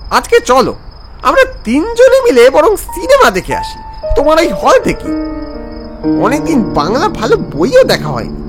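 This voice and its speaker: A narrator voicing a hearty, bossy old gentleman in an animated horror story. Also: high-pitched, voice pushed up, full character voice, low-quality recording. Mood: reassuring. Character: jovial, impulsive old widowed gentleman.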